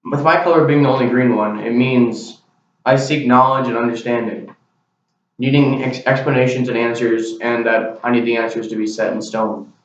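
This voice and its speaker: A man's voice: medium pitch, steady tone, normal speed. A young man giving a class speech to a camera, with an earnest, plain delivery. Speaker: student. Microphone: camera mic. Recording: very echoey, distant, dull camera recording.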